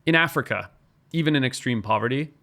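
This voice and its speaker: A man's voice: mid-range voice, fairly quick, pushed and bright. A man from Zimbabwe, a wildlife biologist guest, explaining and telling stories in an earnest podcast talk.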